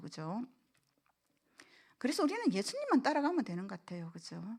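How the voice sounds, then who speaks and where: A woman talks with very wide pitch swings. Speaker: pastor. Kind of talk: sermon.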